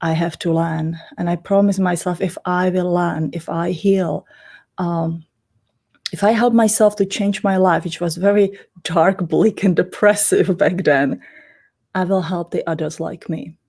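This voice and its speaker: A woman from the Czech Republic with a Czech accent, talking earnestly and casually as an interview guest about meditation and healing, in loose non-native English with frequent soft laughs. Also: fairly low pitch, steady tone, measured pace, vocal fry. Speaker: spiritual teacher and guest.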